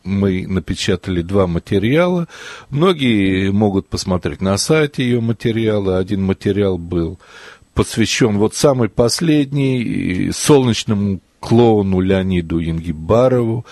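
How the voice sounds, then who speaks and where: Measured Russian-speaking radio host man. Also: fairly low pitch, animated, a little mellow, no room sound, studio quality. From former Soviet Union. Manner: measured, deliberate, with fillers. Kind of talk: radio talk show interview. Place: radio studio. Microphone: studio mic.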